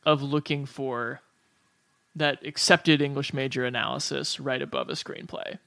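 A man's voice: mid-range voice, fairly even intonation, moderate pace, vocal fry, a bit bright, dry recording. A man co-hosting a podcast, discussing films in a casual, analytical way and thinking aloud as he goes.

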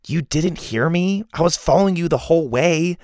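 A man's voice: on the high side, normal speed, darkish tone, no room sound, studio quality, voice pushed up, lightly acted. A man reading a storybook, voicing a cheeky, blunt little girl who talks back. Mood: sassy. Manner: sassy and blunt.

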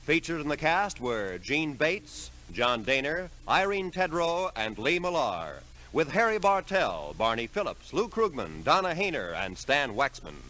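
A male announcer reads in polished 1950s radio style. His voice is forceful and fairly high, with lively, emphatic swings. It sounds like an old network broadcast. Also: measured pace, few pauses, rough recording.

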